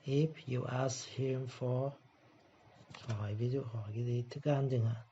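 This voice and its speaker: A man whose first language is Vietnamese, teaching an English pronunciation lesson. He reads the English examples slowly and explains them quickly in between, often checking in with a tag question. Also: medium pitch, steady tone, mellow. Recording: dull lo-fi sound with faint room noise.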